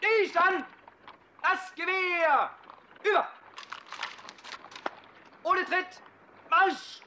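An actor playing a dutiful Prussian lance corporal in a German period drama, loudly barking drill commands. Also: male voice, extremely high pitch, steady tone, fast talker, background noise. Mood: brisk, obedient. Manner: loud parade-ground barking.

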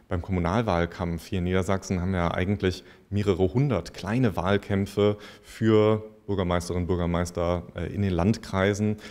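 A man, a political scientist, calmly explaining in an expert interview. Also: low-pitched.

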